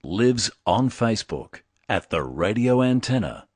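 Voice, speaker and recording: A man's voice: fairly low pitch, big pitch swings, unhurried, husky, no echo. A man reading a scripted radio ident as a promo announcer. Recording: faint music under announcer.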